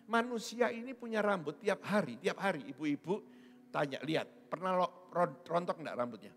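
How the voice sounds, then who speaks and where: A middle-aged pastor with a high-pitched, expressive voice preaches a sermon at normal speed in a church hall. He jokes with and teases his congregation, and the hall's long reverb fills the recording.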